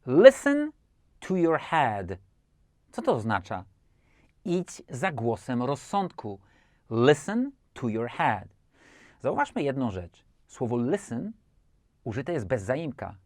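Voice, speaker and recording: Lively male tutor, dry close mic, English examples read slow and deliberate. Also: medium pitch, dry recording. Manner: slow, deliberate English example sentences between quick Polish explanations. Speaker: English teacher. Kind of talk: language lesson explaining word meanings.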